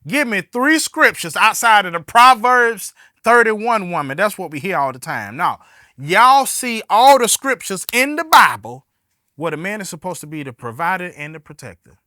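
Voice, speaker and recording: A man with a high, forceful voice and a Southern Black American accent hosts a casual podcast. He speaks folksily and directly to his audience, putting questions to them as he goes. The recording is dry and close, with music in it. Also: very animated, moderate pace, no echo. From Alabama, US. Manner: folksy, direct address with rhetorical questions and endearments like "baby". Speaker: podcast host.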